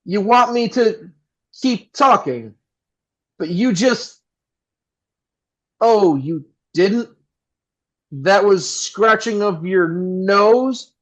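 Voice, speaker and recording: A man's voice: high voice, expressive, drawn-out words, long pauses, exaggerated voice, rough recording. A man playing a slick, enthusiastic 1960s radio host who can turn into a crude jerk. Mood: crude, flustered. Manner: enthusiastic, showy patter. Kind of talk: 1960s radio announcer acting.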